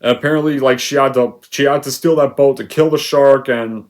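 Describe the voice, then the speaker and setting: A man's voice: medium pitch, fairly even intonation, fairly quick. Young male reviewer, exasperated rant, sarcastic bursts, mid-range voice. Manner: sarcastic, exasperated, loud outbursts. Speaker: movie reviewer. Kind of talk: ranting movie review.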